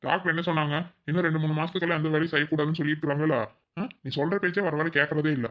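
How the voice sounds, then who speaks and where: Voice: mid-range voice, flat delivery, very fast, muffled recording, natural voice. A performer voicing a caring young village husband in a cartoon who fusses and nags out of concern. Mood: fussing. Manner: fussing, nagging with concern. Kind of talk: cartoon voice acting.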